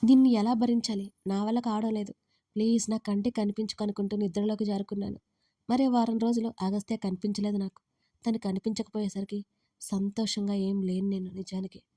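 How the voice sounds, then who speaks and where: A woman's voice: mid-range voice, a little fast, no room sound, clean studio sound. A woman narrating a first-person romance story, reading every character's lines in her own voice. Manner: reads all parts in her own voice, lively on quoted lines.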